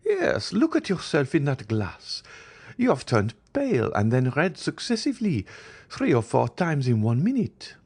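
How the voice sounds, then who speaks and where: A worldly society baroness, as a male narrator raises his voice to play her, confiding and unhurried. The voice sits well above his own and swings widely, leaning on each word with polished ease. A storybook reading of a classic novel. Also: fairly high pitch, wildly swooping pitch, a little mellow, husky, pitched above the performer's own voice, heavily acted. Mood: concerned. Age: middle-aged. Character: worldly middle-aged baroness, smooth and gossipy.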